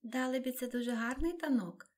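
An eager, polite young girl from a storybook, her voice lifted noticeably higher and brighter than the reader's own, as a woman puts her on. She exclaims with quick, wide-eyed enthusiasm. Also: close to an everyday voice.

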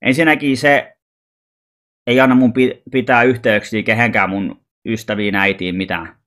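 A man's voice: medium pitch, fairly even intonation, fairly bright tone. A man telling a personal story in a loose, rambling vlog monologue, informal and often swearing. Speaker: vlogger.

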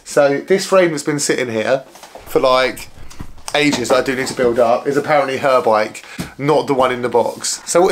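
A hoarse man in his thirties chatting casually to camera about bikes in a small living room. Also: mid-range voice, slight background noise. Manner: chatty, upbeat, full of filler "like"s. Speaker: bike vlogger. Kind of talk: casual vlog chat to camera. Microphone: camera close up.

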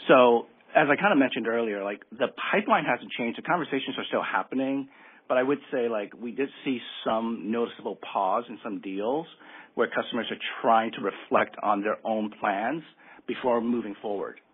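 A man giving unscripted answers as a company executive, halting and repeating words as he goes. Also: mid-range voice, husky. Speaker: company executive on an earnings call. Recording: muffled narrowband phone line.

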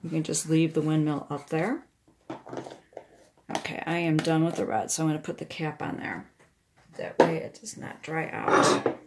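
A woman's voice: sits low, moderate pace, long pauses, very noisy. A woman giving a casual hands-on craft demonstration, talking herself through each step. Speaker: craft tutorial host, independent product demonstrator. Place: indoors at a wooden craft table.

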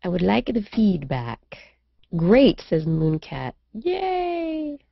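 A woman in her thirties, hoarse from a cold, co-hosting a live science webcast from home and chatting casually, often restarting her sentences. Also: mid-range voice, sing-song, slow pace, no room sound. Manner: chatty, trails off and restarts mid-thought. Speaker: science show co-host. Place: small room at home, indoors. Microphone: desk studio mic, video call. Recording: dull lo-fi webcast audio.

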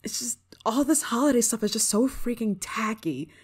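A woman playing a haughty young pop star who is prickly but secretly soft, in an ASMR roleplay, bragging and easily flustered. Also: fairly high pitch, lively intonation, normal speed, husky. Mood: haughty, impatient. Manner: tsundere: bragging and dismissive, flustered stammering when touched. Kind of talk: ASMR roleplay acting, one-sided dialogue.

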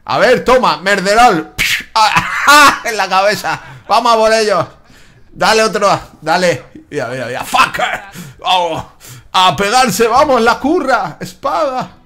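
A young man doing excited, joking gameplay commentary, shouting sound effects as he plays. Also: high-pitched, slow, slight background noise. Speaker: gaming YouTuber.

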